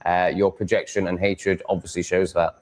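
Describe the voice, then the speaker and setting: A man's voice: sits low, flat delivery, normal speed. A man with a Yorkshire accent chatting casually as a livestream host, rambling in a blunt, crude, sweary way. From Yorkshire, England.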